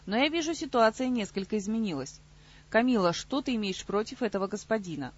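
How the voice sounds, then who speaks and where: A woman voicing a calm, quiet-spoken king in an audiobook, measured and commanding. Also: medium pitch, dull audio, close to an everyday voice. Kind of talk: audiobook character voice.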